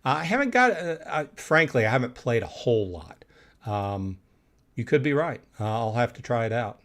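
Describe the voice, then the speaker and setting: A middle-aged man hosting a casual live stream, reading chat aloud with many fillers and pauses, clearing his throat now and then. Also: medium pitch, very animated, fairly bright tone. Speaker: streamer host.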